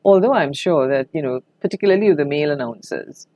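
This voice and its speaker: Low-voiced older Trinidadian woman. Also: lively intonation, brisk, warm tone, no echo. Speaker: interviewee, veteran broadcaster and journalist. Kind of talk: conversational reminiscing in an interview.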